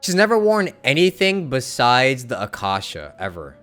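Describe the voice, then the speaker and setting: Brief: woman streamer, very low and smooth, slow, game music faint behind. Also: very animated. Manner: quiet offhand comments. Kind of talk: casual reactions over gameplay.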